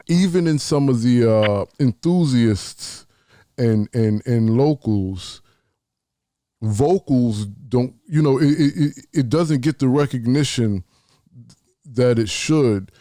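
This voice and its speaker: A man hosting a radio interview who asks thoughtful questions with many halting restarts. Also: mid-range voice, warm tone, a little hiss or hum. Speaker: radio show host. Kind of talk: casual interview.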